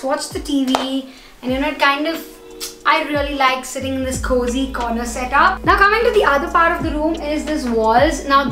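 A woman's voice: high-pitched, fairly bright tone, reverberant. A young woman vlogger giving a casual, enthusiastic tour of her living room to camera. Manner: enthusiastic, gesturing widely while walking around. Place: echoey indoor living room. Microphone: camera-mounted shotgun mic.

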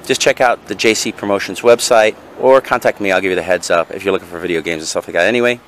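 A man's voice: deep voice, fast talker, a little hiss or hum. Rambling man showing off his flea market finds. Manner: rambling, self-deprecating, frequent fillers. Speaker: reseller vlogger. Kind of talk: casual show-and-tell. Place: outdoor patio, then in a car.

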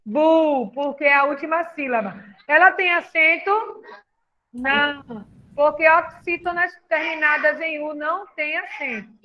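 Brazilian lady teacher, high voice, slow and patient, kinda muffled audio. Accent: Brazilian Portuguese. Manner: patient, questioning, slow and explaining. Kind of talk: classroom lesson.

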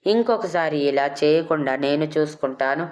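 A woman's voice: low voice, expressive, moderate pace, darkish tone. A woman voicing an older family woman who firmly reassures a young relative. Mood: reassuring. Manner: firm reassurance.

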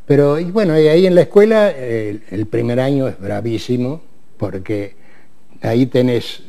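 A man in his eighties with an Argentine Spanish accent, a guest on a TV studio interview, talking in a halting way with many fillers and restarts. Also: mid-range voice, lively intonation, creaky, mellow. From Córdoba, Argentina. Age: 80s. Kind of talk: casual interview. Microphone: lapel.

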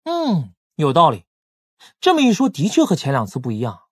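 A man playing a playful, chatty young gangland casino owner in an audiobook drama, with a whiny, animated manner. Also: fairly high pitch, moderate pace, breathy edge, no echo, clean studio sound, heavily acted. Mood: curious. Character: playful, chatty young male casino-owning crime boss's brother. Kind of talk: Mandarin audiobook drama acting.

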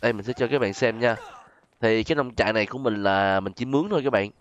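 A man's voice: on the low side, fast, clean tone, dull audio. A man with a Southern Vietnamese accent doing casual game commentary as a channel host, chatting directly to his viewers. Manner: conversational, addresses viewers directly with frequent tag particles.

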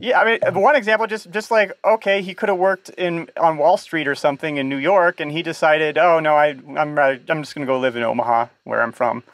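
A man hosting a podcast, asking casual interview questions in a halting, thinking-aloud way. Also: on the high side, fairly even intonation, fairly bright tone, no echo.

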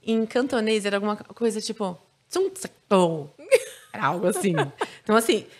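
A woman's voice: mid-range voice, fast talker. A Brazilian woman telling a story as a podcast guest, in a chatty style full of fillers. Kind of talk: casual podcast chat.

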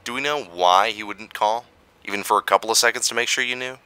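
An actor playing a steady, reassuring investigator in an audio drama, businesslike in manner. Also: male voice, on the low side, fast, clean tone. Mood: focused, steady.

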